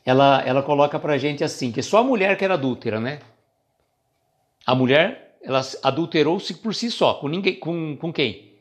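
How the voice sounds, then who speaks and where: A man's voice: a little high, lively intonation, normal speed. A Brazilian man hosting a spiritist reflection stream, talking casually and greeting viewers by name. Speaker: host of a spiritist reflection livestream.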